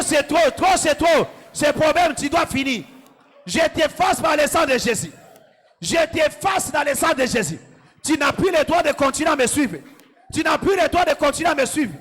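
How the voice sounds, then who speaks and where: High-voiced preacher shouting prayers. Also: male voice. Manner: repetitive shouted commands and exhortations. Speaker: pastor. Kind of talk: sermon and led prayer. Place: large church hall. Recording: echoey church hall.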